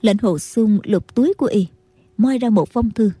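A woman reading a martial-arts audiobook in a very dark, mellow voice with a husky edge. Her pitch sits a bit high for her, and the sound is dry and close. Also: moderate pace, no room sound. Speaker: audiobook narrator. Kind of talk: scripted martial-arts novel narration.

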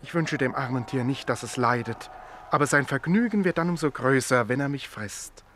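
A man plays a gentle Christian tailor in a radio play. He speaks mildly and earnestly at a medium pitch, with very lively swings of intonation and a quiet stubbornness. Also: normal speed, a little hiss or hum, natural voice. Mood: mildly cheerful. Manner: mild, guileless, earnest.

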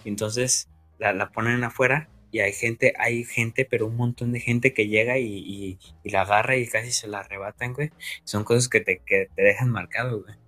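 A man's voice: fairly low pitch, fairly even intonation, normal speed, pushed and bright, faint music behind. A man with a Mexican accent co-hosting a casual podcast, rambling and peppering his talk with slang. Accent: Mexican Spanish. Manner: rambling, restarts, says güey often. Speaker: podcast co-host. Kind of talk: casual chat.

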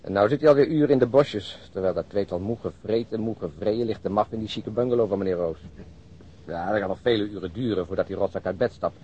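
A man's voice: quick pace, slightly rough. A man acting a weary, grumbling policeman in a Dutch radio drama, down-to-earth and exasperated. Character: weary, grumbling but practical male policeman. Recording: dull, rumbling, noisy lo-fi recording.

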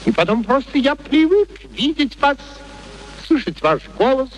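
An actor playing an arrogant, cutting scholar in a radio play, declaiming and arguing with scorn. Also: male voice, very high voice, very animated, a little slow, exaggerated voice, low-quality recording. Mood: wistful. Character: arrogant, self-absorbed male scholar, cutting and exasperated. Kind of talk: Soviet radio play acting. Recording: old radio play recording, faint noise.

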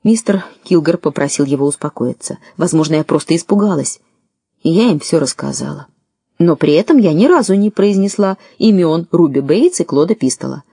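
Mellow-voiced woman narrating wryly. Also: sits low, expressive, fairly quick, vocal fry, slightly rough, dry recording, clean studio sound. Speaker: audiobook narrator. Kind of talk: scripted first-person narration.

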